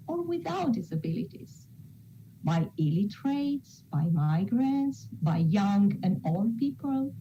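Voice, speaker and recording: A woman from Romania, a native Romanian speaker with a Romanian accent, giving a prepared formal presentation in a deliberate, rhetorical manner. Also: fairly high pitch, warm tone, dull audio, slight background noise. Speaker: conference presenter from an international organization.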